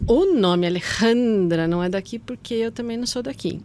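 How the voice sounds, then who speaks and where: A woman's voice: a little high, moderate pace, darkish tone. A woman in her fifties from Brazil, a guest chatting casually in an interview and often checking in with her listener. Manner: chatty, laughs often, many fillers like "entendeu?".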